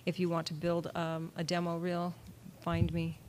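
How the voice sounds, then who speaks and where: An older woman with a somewhat low voice speaks at a table mic on a panel. She gives frank, emphatic advice. A faint low rumble runs underneath. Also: monotone, normal speed, darkish tone. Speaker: panel guest, actress. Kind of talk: casual panel chat. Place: indoor meeting room at a panel table. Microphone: table mic on stand.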